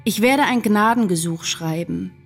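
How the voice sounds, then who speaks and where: An actress playing an anxious, tender writer in love, narrating a literary radio drama in an intense, confessional way. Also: female voice, medium pitch, moderate pace, vocal fry, slightly rough. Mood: longing, resolute. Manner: intense, confessional first-person storytelling. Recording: music behind the voice. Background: music.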